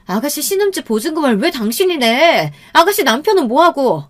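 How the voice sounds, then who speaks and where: A woman voicing an outraged, sharp-tongued young wife in a story, indignant and confrontational. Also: medium pitch, expressive, unhurried, husky. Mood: furious.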